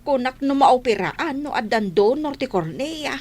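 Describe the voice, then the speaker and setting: A woman's voice: high voice, expressive, a little slow, a little mellow, husky, full character voice. A woman voicing a caring adult daughter who talks earnestly with her mother in an audio drama.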